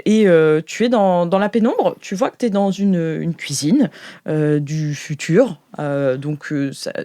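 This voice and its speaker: A woman's voice: fairly low pitch, dark tone, dry recording. Hesitant woman game master, dry sound. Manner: hesitant, searching for words. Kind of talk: improvised narration of a tabletop sci-fi roleplay.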